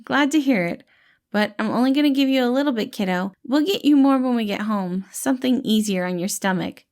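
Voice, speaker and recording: A woman's voice: a little high, brisk, pitched above the performer's own voice, close to an everyday voice. A woman voicing a tiny, kindly, cheerful male healer who talks in an eager, reassuring, fatherly way for a storybook. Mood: caring, cheery. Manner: eager, reassuring, gentle, calls people kiddo.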